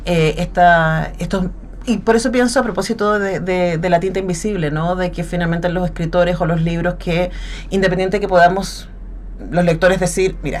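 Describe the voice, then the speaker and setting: A woman's voice: on the low side, a little mellow, slight background noise. A woman from Chile with a Chilean accent, hosting a radio interview and listening attentively with frequent affirming murmurs. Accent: Chilean Spanish. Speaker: radio host.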